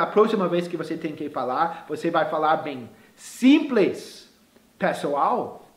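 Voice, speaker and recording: A man who is a native English speaker, teaching a casual video lesson in Portuguese and slowing down to repeat words syllable by syllable. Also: high-pitched. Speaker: language teacher. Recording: roomy echoey room.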